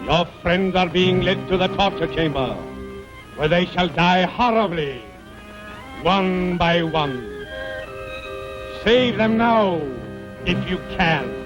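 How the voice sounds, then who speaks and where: A cruel cult villain threatens formally in 1930s serial melodrama. The muffled old soundtrack has loud music under the voice. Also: male voice, high-pitched, lively intonation. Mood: gloating threat. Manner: deliberate, menacing, formal. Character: cruel male cult villain, gloating and ominous.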